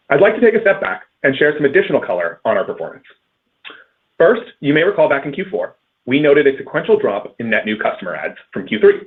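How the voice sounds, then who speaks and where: Fast, lively male executive, slightly husky. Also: mid-range voice, narrow, tinny audio. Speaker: company finance executive. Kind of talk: scripted earnings call presentation.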